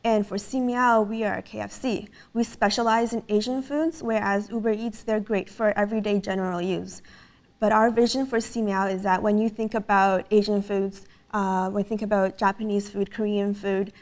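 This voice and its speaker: A woman's voice: mid-range voice, little pitch movement, normal speed, a little mellow. A woman in her twenties, raised in Canada, earnestly explaining her business in a casual interview, with frequent fillers. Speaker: startup co-founder, guest.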